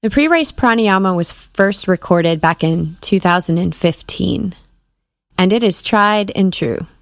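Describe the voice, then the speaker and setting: A woman leading a guided breathing meditation as a podcast host and coach, giving measured, soothing instructions with pauses. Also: fairly low pitch, lively intonation, gravelly, no room sound.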